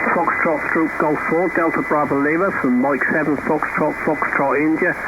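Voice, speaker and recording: Delivered at a moderate pace with fairly even intonation and very even loudness, the speech carries audible room echo and noticeable background noise. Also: man, fairly high pitch for a man. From East Anglia, England. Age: 60s. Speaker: ham radio operator. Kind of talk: amateur radio contact. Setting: radio transmission. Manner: halting.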